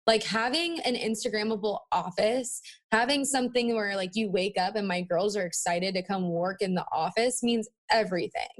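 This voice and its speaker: A woman's voice: medium pitch, normal speed, few pauses. A woman in her twenties chatting as a podcast interview guest in a valley-girl manner, peppering her talk with "like" and "you know". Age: 20s. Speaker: interview guest, marketing agency owner. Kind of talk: casual podcast interview chat.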